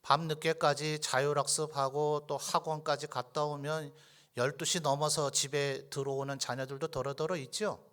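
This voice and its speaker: A male pastor delivers a Sunday sermon into a microphone in a church. His voice is bright and forceful and sits a little high. He preaches emphatically, firing questions at the congregation. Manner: drops to a whisper for tender points. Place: church sanctuary.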